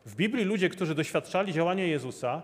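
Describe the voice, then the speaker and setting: A man's voice: fairly high pitch, animated, quick pace. Earnest male preacher in a reverberant hall. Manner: earnest, repeats rhetorical questions to the listeners. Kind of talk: sermon.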